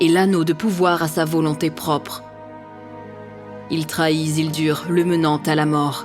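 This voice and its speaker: A woman speaks with a very deep, low pitch in a monotone, flat delivery at a fairly slow pace. Music plays behind her. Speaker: voice-over artist. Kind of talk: narration demo, epic fantasy story prologue.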